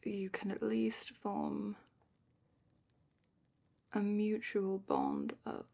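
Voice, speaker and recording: A woman playing a calm, matter-of-fact dragon expert in a hushed, partly whispered fantasy ASMR roleplay, explaining without hurry in a breathy voice. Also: medium pitch, very slow, full character voice. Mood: calm, instructive.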